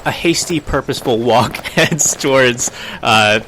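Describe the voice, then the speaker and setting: A man narrating his character's actions as a tabletop game player, in a deliberate, halting way. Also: medium pitch, bright, forceful tone, a little hiss or hum, low-quality recording. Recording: music under the voice.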